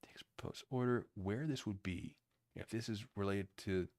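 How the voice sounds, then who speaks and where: A man hosting a live stream, reading documents aloud and commenting casually with conversational, animated asides. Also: lowish voice, moderate pace. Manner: conversational, animated asides, acts out imagined dialogue.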